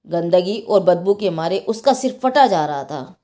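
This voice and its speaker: A woman narrating a scripted moral religious tale in an expressive, dramatic storytelling manner. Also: fairly low pitch, a little slow.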